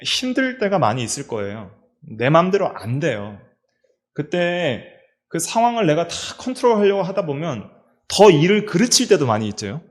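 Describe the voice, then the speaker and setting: With a slightly high voice, very animated and moderately paced, a middle-aged pastor with a Daegu-region Korean accent delivers a sermon in a church sanctuary. He fires many questions at his listeners, preaching through rhetorical questions and repetition.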